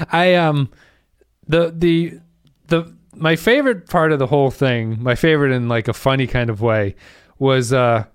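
A man's voice: mid-range voice, a little slow, smooth, dry recording, studio quality. A man co-hosting a podcast in casual chat, hesitant with many restarts and frequent laughter. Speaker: podcast co-host.

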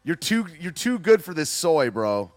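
A man's voice: on the high side, big pitch swings, a little slow, soft background music. A man with a slight lisp hosting a casual reaction stream, rambling and scoffing, peppering his talk with "dude" and "man". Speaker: streamer host.

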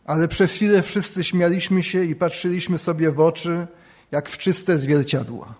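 A man's voice: on the high side, normal speed, a little mellow. A middle-aged man giving a prepared ceremonial speech in a reflective, eloquent, lightly ironic way. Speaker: award speaker.

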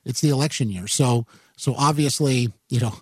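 Commenting on the news, this talk radio host speaks into a studio microphone in a rambling, halting manner full of fillers and self-corrections. He has a mid-range, slightly rough voice, recorded without echo.

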